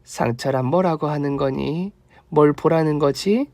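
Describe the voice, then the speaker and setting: A man voicing a gentle, thrifty older mother-in-law who talks softly and fondly. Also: fairly high pitch, measured pace, dry recording. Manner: soft, fond and gentle.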